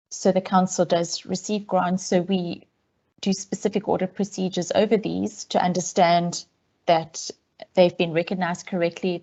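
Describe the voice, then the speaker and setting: A woman auditor, heard over a video call line, gives a measured, businesslike briefing to a council committee, with frequent ums. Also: fairly low pitch, darkish tone. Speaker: external auditor presenting a report. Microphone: remote call audio. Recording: dull, lo-fi call audio.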